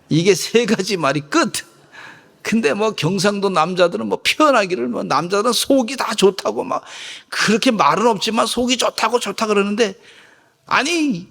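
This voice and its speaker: A man's voice: sits high, gravelly, a bit bright, slightly rough. A male pastor giving a sermon, joking with the congregation and having them repeat phrases after him. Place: church sanctuary. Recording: echoey church hall.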